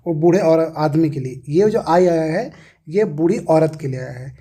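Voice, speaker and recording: Explaining an English reader lesson, this teacher speaks at a medium pitch in a dark tone, posing questions, answering them and going back over key words.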